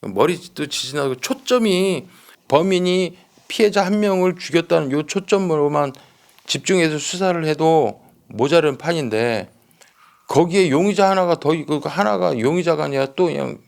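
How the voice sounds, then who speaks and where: Creaky-voiced man explaining a criminal case. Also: fairly high pitch, moderate pace. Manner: emphatic, explanatory, repeats points, seeks agreement. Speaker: true-crime commentator with detective background. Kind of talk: conversational case commentary.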